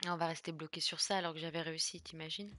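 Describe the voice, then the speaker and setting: A young French woman streaming a horror game, chatting casually and swearing in loud bursts, with a stuffy nose from being sick. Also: low voice, fairly even intonation, fast talker, noisy background. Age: 20s. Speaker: gaming streamer. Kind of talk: casual let's play commentary.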